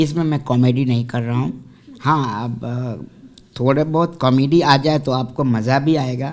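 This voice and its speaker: A man speaks at a medium pitch with a Bihari accent. His intonation stays fairly even. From India, Bihar (Muzaffarpur). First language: Bhojpuri (speaking Hindi). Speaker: actor. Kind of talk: interview.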